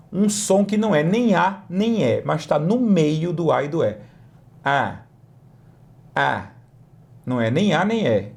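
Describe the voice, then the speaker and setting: Man, English lesson, lively pitch, slightly high voice, slow model pronunciations. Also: gravelly. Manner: slow, drawn-out model pronunciations between quick explanations. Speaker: English teacher.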